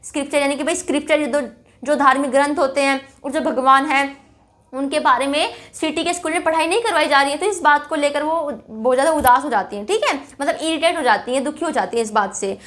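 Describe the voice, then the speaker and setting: A young woman teaching an English chapter in Hindi, chatty, calling students "bhai" and checking in with "theek hai", reading English lines slowly before explaining them. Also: high-pitched, a bit bright.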